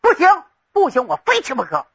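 A woman's voice: high-pitched, huge pitch swings, fairly quick, fairly bright tone, lo-fi sound, voice pushed up, heavily acted. A woman storyteller voicing a hotheaded, rowdy young nobleman who blusters and makes bossy threats. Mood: pleading, stubborn.

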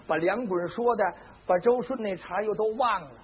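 Husky and high-pitched, a man narrates a traditional tale at normal speed, bringing it to life with drama and homemade sound effects. The lo-fi recording has a narrow, phone-like band and a faint hiss.

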